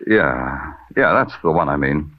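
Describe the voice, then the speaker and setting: An actor playing a hard-boiled police lieutenant who narrates in brooding prose and talks in clipped, dry wisecracks. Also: male voice, very deep voice, animated, a little slow, no echo, full character voice. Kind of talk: 1940s radio acting. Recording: muffled old radio recording with music.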